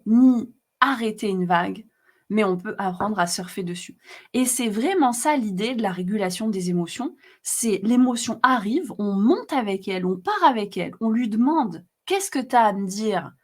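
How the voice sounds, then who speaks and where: A woman's voice: mid-range voice, expressive, measured pace. A woman hosting a live stream, explaining emotions in a chatty way with many fillers and repetitions. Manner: warm, chatty, frequent fillers and repetitions, laughs often. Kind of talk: casual live teaching, reading comments.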